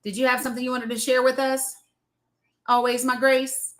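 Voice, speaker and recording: A woman's voice: high voice, level tone, moderate pace. A middle-aged woman, hosting a casual political live chat in an informal, encouraging way. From Tennessee, United States. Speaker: live stream host.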